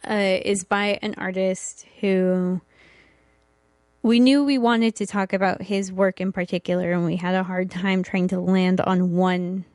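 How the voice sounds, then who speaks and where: A young woman with a mid-pitched voice co-hosts a podcast. She talks in a friendly, hesitant way with small apologies. The recording is dry and close. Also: steady tone, measured pace, a little mellow, no echo. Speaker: podcast co-host. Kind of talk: casual chat about comics.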